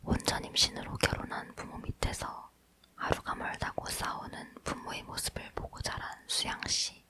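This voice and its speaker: A woman's voice: moderate pace, bright, forceful tone. A woman reading a book aloud as ASMR, leaning in to whisper closely and breathily into a near microphone. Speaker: ASMR reader.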